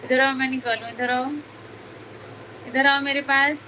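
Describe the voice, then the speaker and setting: A woman's voice: sits high, level tone, unhurried, sharp tone. A woman hosting a casual live stream from home, chatting with viewers and greeting them by name. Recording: noisy home ambience behind the voice.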